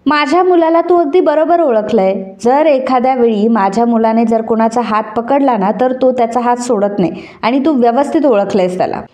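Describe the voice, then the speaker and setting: Woman reading as a suspicious mother confronting her daughter-in-law; accusing, high, soft tone. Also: a little fast, few pauses, muffled recording, lightly acted. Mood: stern. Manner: cold, accusing. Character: stern middle-aged mother, suspicious.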